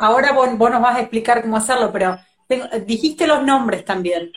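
Animated and fairly slow, a woman speaks with a Rioplatense accent. Her voice sits fairly high, with ordinary pitch variation. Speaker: live stream host. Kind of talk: interview.

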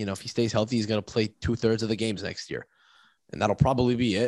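A man talks at a very fast pace in a monotone with flat intonation. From Canada. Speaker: podcast co-host. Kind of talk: casual chat. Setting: studio.

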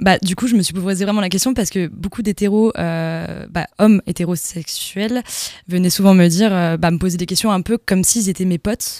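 A woman speaks at a moderate pace with medium pitch and a dark, mellow tone. The sound is dry and close with no echo, in a very clean recording with a silent background. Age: 20s. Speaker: columnist and improv comedian. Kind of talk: radio discussion. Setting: studio. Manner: animated.

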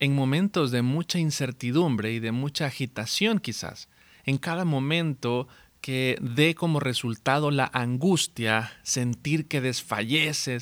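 Here a man with an unremarkable speaking voice talks at a fairly slow pace, medium pitch and ordinary pitch variation. The recording is very clean with a silent background, dry and close with no echo. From El Salvador. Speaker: podcast host and Bible teacher. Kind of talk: devotional Bible teaching.

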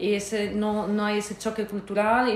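Speaking at a fairly slow pace, a woman is heard over noticeable background noise. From Poland. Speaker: guest. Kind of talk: casual chat.

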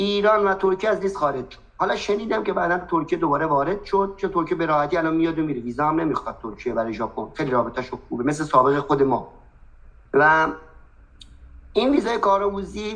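This man's voice is high-pitched with lively intonation. He talks very fast. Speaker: businessman. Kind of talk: casual chat.

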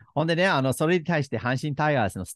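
A man with an English accent is heard against a quiet background, in a dry, close sound with no echo. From Canada. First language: English (speaking Japanese). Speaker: podcast host. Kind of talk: casual chat.

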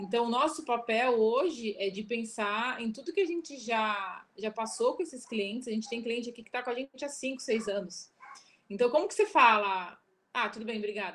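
This woman has an unremarkable speaking voice with a fairly high pitch and lively intonation. She speaks at a moderate pace. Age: 30s. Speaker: agency CEO. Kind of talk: interview. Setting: video call.

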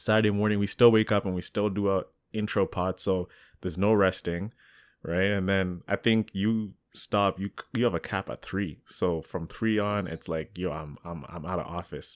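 This is a plain, everyday voice of a man with a fairly low pitch. He keeps his intonation fairly even at a moderate pace. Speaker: sales entrepreneur. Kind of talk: casual interview chat. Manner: casual, conversational.

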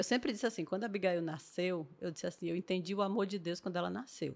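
Speaking at a very fast pace in a strong northeastern Brazilian accent, a woman at medium pitch uses ordinary pitch variation in a very clean recording with a silent background. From Northeast Brazil. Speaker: pastor's wife, adoptive mother. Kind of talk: casual chat.

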